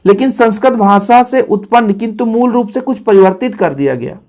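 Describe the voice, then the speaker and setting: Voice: medium pitch, brisk, darkish tone. A teacher giving a casual exam-prep grammar lesson. The teacher talks straight to the students and repeats key points for emphasis.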